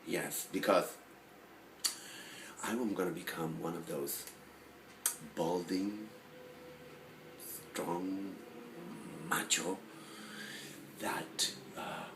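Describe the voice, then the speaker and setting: A man performing a monologue as a neurotic, self-deprecating, lovelorn forty-year-old who rambles haltingly. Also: deep voice, voice pushed down. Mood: subdued, musing. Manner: halting, rambling, full of fillers and restarts. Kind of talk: dramatic film monologue acting. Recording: roomy echo with faint background noise.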